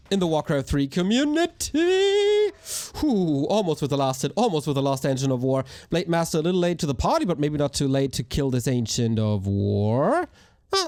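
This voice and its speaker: A man with a hoarse voice, casting a live strategy game match in an energetic, chatty way while thanking viewers. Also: on the high side. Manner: energetic, chatty, talks to chat. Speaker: esports caster. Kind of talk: live game commentary with chat shout-outs.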